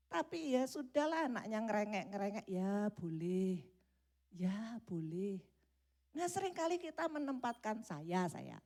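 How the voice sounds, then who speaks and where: Middle-aged woman pastor, church sermon, slightly high pitch, lively delivery that jumps into acted dialogue. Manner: lively, acts out prayers and dialogue in changing voices. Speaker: preacher.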